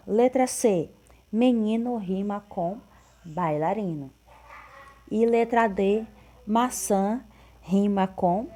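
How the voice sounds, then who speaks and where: A woman's voice: mid-range voice, darkish tone. A woman teacher, going through workbook answers patiently and repeating each one. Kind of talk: correcting workbook exercises.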